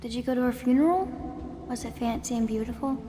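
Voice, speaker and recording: Woman doing a little girl voice for a game, high and eager, lots of quick questions. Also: warm tone, long reverb tail, slight background noise, natural voice. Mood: curious. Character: young girl, curious and sweet. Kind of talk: video game cutscene acting.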